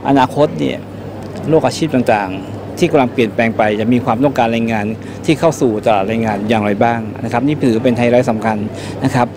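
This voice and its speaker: A middle-aged man, an official listing event highlights in a formal press statement, measured, with many hesitation fillers. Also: noisy background. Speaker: department official at a press briefing. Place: indoor event hall. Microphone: press microphones held up close.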